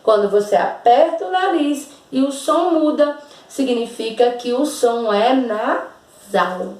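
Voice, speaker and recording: Slow, patient Brazilian woman teacher in echoey room. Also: fairly high pitch, expressive, darkish tone, recorded from a distance. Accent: Brazilian Portuguese. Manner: slow and patient, drawing out words to demonstrate sounds. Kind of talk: slow, over-articulated classroom explanation.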